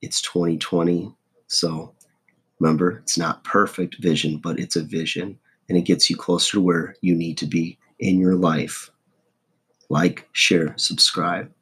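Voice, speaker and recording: A hoarse, husky man in his forties giving a casual, folksy motivational monologue as a host. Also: sits low, fairly even intonation, unhurried, fairly bright tone. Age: 40s. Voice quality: husky, rough. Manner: folksy, self-deprecating, checks in with "okay?" and "right?". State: hoarse voice, throat-clearing. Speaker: host of a motivational video podcast.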